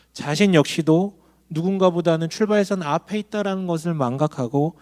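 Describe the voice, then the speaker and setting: A man preaching a sermon to a congregation, emphatic and full of questions to the listeners. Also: high voice. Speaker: pastor. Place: church hall.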